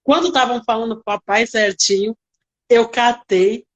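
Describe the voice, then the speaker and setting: A woman working as a nanny, telling stories in a casual interview with lively, emotional reenactments. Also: a little high, a little slow, lo-fi sound.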